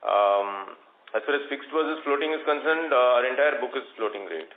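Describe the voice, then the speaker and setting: A man with an Indian accent answering questions as a company executive on an earnings call, with halting phrasing. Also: mid-range voice, lively intonation. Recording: roomy, muffled conference call line.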